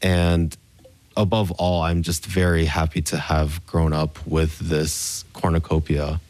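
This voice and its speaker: A young man from Memphis speaks in a very deep, low voice, weighing his words with care. The sound is dry and close, with no room ring, as he answers questions in a radio studio. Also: flat delivery, a little mellow, no room sound. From Memphis, Tennessee, USA. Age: young adult. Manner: measured, thoughtful explaining. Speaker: concert pianist. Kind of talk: reflective interview answers.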